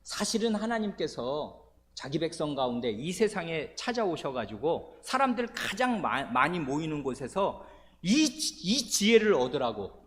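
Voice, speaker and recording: Animated pastor in an echoing church. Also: male voice, fairly high pitch, a little slow. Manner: animated, shouts out examples and asks questions to the congregation. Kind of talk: Bible study sermon. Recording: long church hall reverb.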